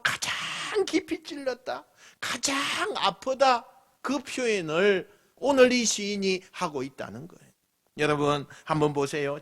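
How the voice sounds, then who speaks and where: A man with a Busan accent preaching a sermon as pastor, dramatic, swinging from loud lines to whispers and acting out mocking voices. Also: high voice. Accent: Busan Gyeongsang dialect. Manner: acts out mocking voices of scoffers.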